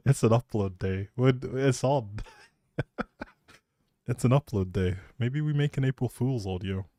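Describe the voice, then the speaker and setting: A young man speaks slowly with long pauses in a medium-pitched, dark voice, recorded dry and clean in a studio. He's a live streamer and audio creator, casually rambling on a game stream, playful and jokey as he talks back to viewers.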